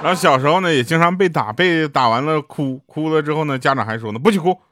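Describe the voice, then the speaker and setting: A young man telling short comic anecdotes in a lively way, jumping up in pitch when he quotes other people. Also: fast talker, noisy background. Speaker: joke teller.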